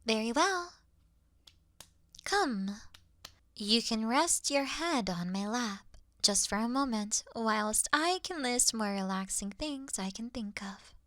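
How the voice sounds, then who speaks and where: A woman playing an awkward, officious moth girl in a sleep-aid ASMR roleplay, speaking softly and deliberately in a dry bedside murmur that slips into whispers. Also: fairly high pitch, lively intonation, no room sound. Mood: gentle, awkward. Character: awkward, officious young female moth monster offering comfort.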